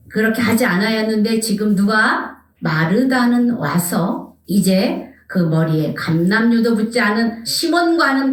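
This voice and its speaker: A woman pastor preaching a sermon, animated, asking her congregation questions and sometimes dropping to a whisper. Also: mid-range voice. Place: church sanctuary. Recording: echoey church hall, mic at a distance.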